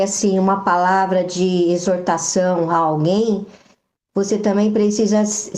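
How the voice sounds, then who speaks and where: A woman's voice: mid-range voice, warm tone, echoey room. A woman student with a Brazilian Portuguese accent, giving an earnest comment in a seminary class.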